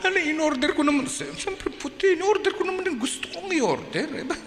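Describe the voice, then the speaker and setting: Animated Filipino pastor in echoey hall. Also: male voice, extremely high pitch, brisk. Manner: animated storyteller, acts out dialogue. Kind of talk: sermon storytelling. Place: church. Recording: echoey church hall with music.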